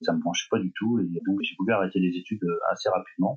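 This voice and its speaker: A man at a fairly low pitch, speaking at a fairly quick pace. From Normandy, France (Calvados, near Bayeux). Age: 40s. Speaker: dairy farmer. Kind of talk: interview testimony. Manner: hesitant, casual with fillers.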